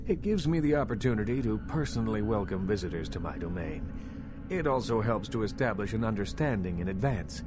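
An actor playing a middle-aged American vampire baron in a video game, formal and measured with a wary edge of menace. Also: male voice, fairly low pitch, animated, music in the background, lightly acted. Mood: formal, veiled menace. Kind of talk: scripted game dialogue.

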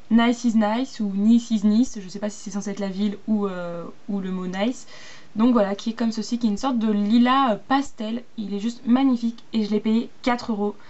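A young woman chatting casually through a beauty haul, with lots of fillers and quick asides. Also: fairly high pitch, a little mellow, highs cut off. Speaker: beauty vlogger.

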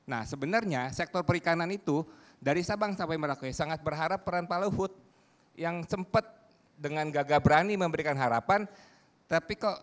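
A man's voice: a little high, brisk. A man speaking as a talk show panelist, arguing insistently and backing each point with figures. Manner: argumentative, presses points with figures.

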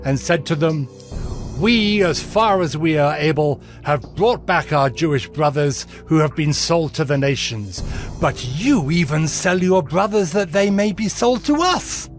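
A man playing a righteous governor narrating his deeds in a dramatized scripture reading, measured and earnest. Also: mid-range voice, lightly acted. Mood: indignant, stern. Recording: music bed behind the voice.

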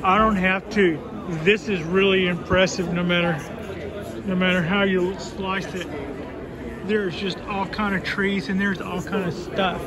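A woman on a handheld phone, ambling through a packed indoor expo and chattering on in a rambling, delighted way. A loud crowd chatters all around her, close to the mic. The sound is plain, casual phone audio from a crowded hall. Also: medium pitch, little pitch movement, measured pace. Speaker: vlogger touring a bonsai expo. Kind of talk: handheld walk-through commentary. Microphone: handheld phone camera.

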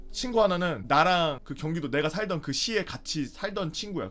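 A young man tells a funny story from his student days to his stream audience, bouncing between hushed asides and loud, high-pitched bursts as he acts out his friends. His voice sits a little high and swings widely in pitch. Faint music plays behind him.

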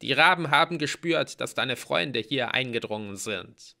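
A man reading aloud and voicing a grumpy, sharp-tongued young woman warrior, scolding and snappish. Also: mid-range voice, animated, measured pace, creaky, voice pushed up, heavily acted. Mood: sarcastic.

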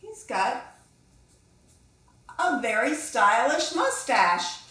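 Giving a drawing lesson, a middle-aged children's author and illustrator talks casually to kids, encouraging them, musing aloud and asking questions as she teaches. Her voice is slightly high, sing-song, bright and forceful, and she speaks extremely slowly. The small indoor room gives the recording an echo.

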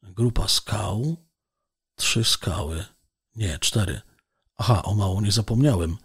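Mężczyzna czytający głosem chorego, upartego przywódcy wyprawy, mówiącego natarczywie i z naciskiem. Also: male voice, lowish voice, takes it slowly, breathy edge, exaggerated voice. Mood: urgent.

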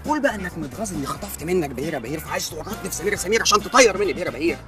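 An actor with an Egyptian accent playing an impulsive husband in a comedy film, swinging from shouting to muttering. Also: male voice, high voice, animated, racing, over loud music.

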